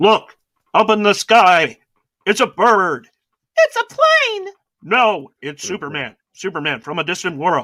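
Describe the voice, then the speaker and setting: A female-sounding voice at medium pitch puts on a character voice. She talks at a fairly slow pace with long, frequent pauses. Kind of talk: old-fashioned announcer.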